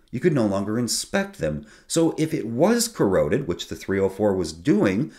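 Man, 40s, sailing host, lowish voice, animated pitch, conversational explainer, small home studio. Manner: lively, conversational, explains technical detail plainly. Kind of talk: explainer monologue to camera.

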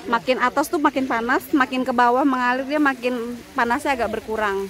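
A woman in her thirties excitedly vlogging at outdoor hot springs, talking to viewers through a phone camera. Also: high voice, a little fast, a crowd in the background. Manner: excited, exclaiming, addresses viewers as guys. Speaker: travel vlogger. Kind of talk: casual travel vlog. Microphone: phone camera held at arm's length. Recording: outdoor phone audio with loud background noise.

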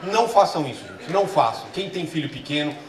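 A man's voice: fairly high pitch, fairly quick. A middle-aged man from Brazil doing a stand-up set, telling stories and acting out the voices. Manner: animated storytelling with acted-out voices. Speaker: stand-up comedian. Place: comedy festival stage. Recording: roomy live stage sound.

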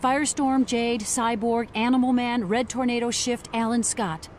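An actor voicing Troia, a grown heroine, in a motion comic, speaking earnestly and gravely. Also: male voice, very high voice, steady tone, moderate pace, a little hiss or hum, voice pushed up.

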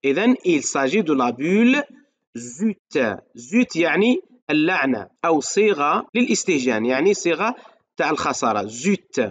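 A man with an Algerian Arabic accent and a fairly high voice gives a middle school French lesson. He reads each sentence slowly, then explains it rapidly in dialect. The recording sounds dull and lo-fi. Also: sing-song. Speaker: French teacher.

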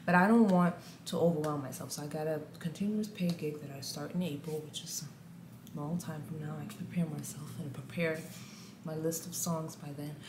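A woman in her thirties with a deep contralto voice, talking candidly and animatedly to camera in a small room. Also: fairly quick. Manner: candid, animated, says guys a lot. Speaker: vlogger. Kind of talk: casual motivational talk to camera. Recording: echoey room, faint ambient noise.

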